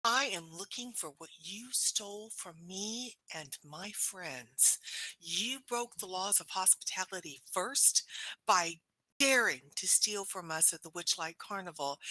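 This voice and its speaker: A woman playing a righteous, defiant adventurer in a tabletop game, speaking slowly in a dramatic, declamatory way. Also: medium pitch, pushed and bright, no room sound, poor audio. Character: righteous, defiant female adventurer confronting a villain. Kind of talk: tabletop role-play.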